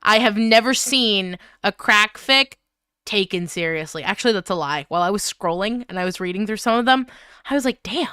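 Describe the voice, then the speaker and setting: A woman's voice: mid-range voice, lively intonation, brisk, sharp tone, clean tone, dry recording, clean studio sound. A woman hosting a livestream, chatting casually in a playful, talkative manner. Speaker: livestream host.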